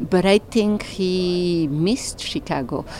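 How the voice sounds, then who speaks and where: A woman's medium-pitched voice with ordinary pitch variation and a French accent, over noticeable background noise. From Europe. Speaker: film director. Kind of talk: radio interview.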